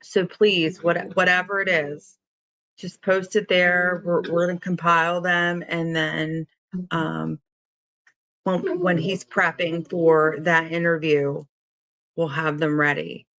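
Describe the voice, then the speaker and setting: Slow-talking woman co-host, dull sound. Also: fairly low pitch, flat delivery, a bit bright, no room sound. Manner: halting, repeats words. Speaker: livestream co-host. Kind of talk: casual livestream announcements.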